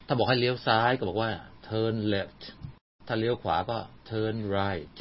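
A man's voice: on the low side, a little slow, slight background noise. An older man teaching simple phrases, patient and explaining step by step with examples, on a dull lo-fi recording. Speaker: English teacher guest. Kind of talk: explanatory lesson talk.

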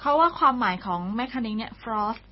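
Thai woman co-host, chatty, lots of little yeses, bit high and husky, dull lo-fi audio. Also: a little fast. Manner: chatty, frequent agreeing interjections. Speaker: radio co-host. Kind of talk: casual co-hosted lesson chat. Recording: dull lo-fi broadcast sound.

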